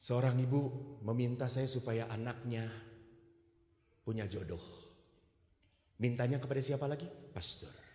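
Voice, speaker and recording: A man, a Catholic priest, giving a sermon with animated storytelling and acted-out dialogue. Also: medium pitch, moderate pace, long pauses, echoey room, long reverb tail.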